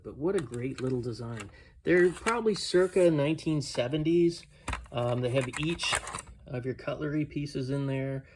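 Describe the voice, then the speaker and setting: An older man, a collectibles reseller, shows off his garage sale haul in a casual, unscripted show-and-tell, rambling and poking fun at himself. His voice is medium-pitched and darkish. It's a clearly noisy home recording with clicks.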